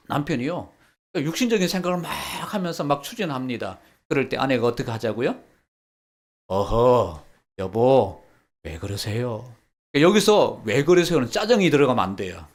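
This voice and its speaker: A man preaching a sermon as pastor, acting out quoted lines and leading the congregation through practice. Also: mid-range voice. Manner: lively, acts out quoted dialogue, leads the congregation in practice.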